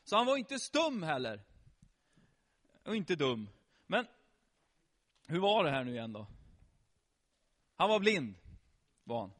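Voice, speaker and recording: Animated, bright-voiced man telling a Bible story. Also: a little high, long pauses. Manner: animated, asks the children questions. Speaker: children's preacher. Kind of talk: lively Bible storytelling to children.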